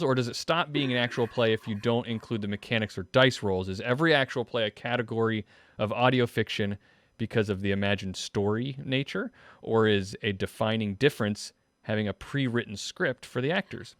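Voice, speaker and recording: A man hosting a casual panel discussion, talking in a halting way as he thinks aloud. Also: mid-range voice, fairly bright tone, no echo, clean studio sound. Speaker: host.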